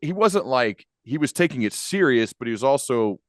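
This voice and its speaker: A man interviews as a podcast host in a casual, earnest style. His voice sits at a medium pitch and sounds enthusiastic, as if thinking aloud. The recording is close and dry, with little room sound. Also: animated, moderate pace, no room sound.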